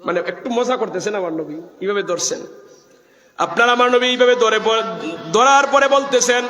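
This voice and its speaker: High, bright-voiced Sylheti preacher. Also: male voice, normal speed, faint music behind. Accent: Sylheti Bengali. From Bangladesh. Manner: impassioned storytelling, voice rising high on quotes. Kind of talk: Bengali waz sermon with chanted passages. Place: open-air religious gathering, speaker seated above crowd. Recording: echoey loudspeaker sound with long reverb.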